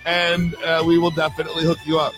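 A man hosting a podcast, hoarse and hyped, loudly signing off the show with slangy shout-outs. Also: a little high, monotone, fast talker, over music, low-quality recording. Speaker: podcast host.

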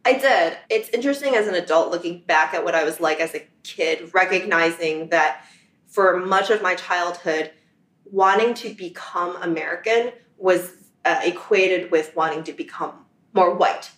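A woman's voice: on the low side, moderate pace, a bit bright, echoey room, rough recording. A woman from China, an interview guest, telling her story in a reflective, conversational way, recorded in a New York apartment. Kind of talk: casual conversation.

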